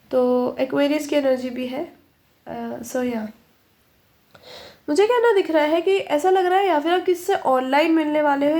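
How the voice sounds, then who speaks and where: A woman doing a casual tarot reading, chatty and switching between Hindi and English, talking slowly because she is unwell. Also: high voice, darkish tone. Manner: chatty, mixing Hindi and English, many fillers. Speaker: tarot reader.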